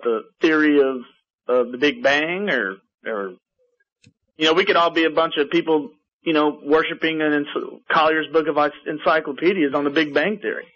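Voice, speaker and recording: A man calling in to a talk show to debate, speaking in a halting way and rephrasing as he argues. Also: on the high side. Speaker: radio show caller. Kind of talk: call-in debate, unscripted. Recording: muffled, lo-fi call audio.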